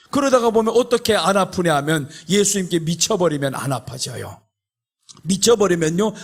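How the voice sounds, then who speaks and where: A man preaching as a pastor in an impassioned, conversational style, emphatic and repetitive, exhorting listeners with rhetorical questions. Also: high-pitched. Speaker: pastor preaching at a prayer retreat.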